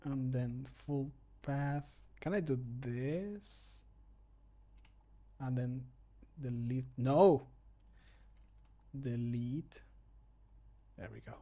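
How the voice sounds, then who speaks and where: A man's voice: medium pitch, extremely slow, long pauses, mellow. A man in his thirties chatting casually and jokily on a livestream while he works, close to the microphone, sometimes muttering to himself and swearing. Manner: jokey, muttering to himself, profane. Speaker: streamer and game modder. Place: home desk setup indoors. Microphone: close desk microphone.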